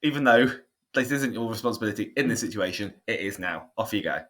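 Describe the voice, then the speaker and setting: A man's voice: on the low side, lively intonation, fast talker, fairly bright tone. A man who works as a zoo educator, a guest on a podcast, agreeing emphatically in casual chat.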